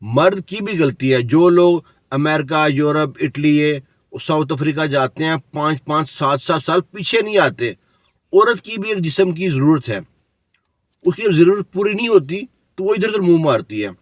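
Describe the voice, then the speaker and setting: A man's voice: on the high side, lively intonation, no echo, clean studio sound. A man telling a cautionary story in a preachy, lecturing way, asking the listener rhetorical questions. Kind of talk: moralizing storytelling.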